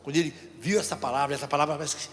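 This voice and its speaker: A man's voice: a little high, steady tone, very fast, a bit bright. A middle-aged man with a Brazilian Portuguese accent, a deacon giving a sermon in a conversational storytelling way that speaks straight to the listeners. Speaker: deacon preacher. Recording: reverberant hall with faint music.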